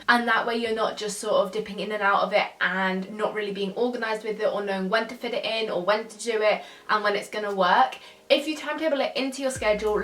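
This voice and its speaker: A woman's voice: a little high, a bit bright, distant mic. A twenty-year-old woman who grew up in Spain, chatting casually through viewer questions and thinking aloud as she goes. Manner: chatty, thinks aloud, laughs now and then. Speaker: YouTuber answering viewer questions. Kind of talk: casual Q&A chat. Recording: echoey room, voice a bit off-mic, faint music.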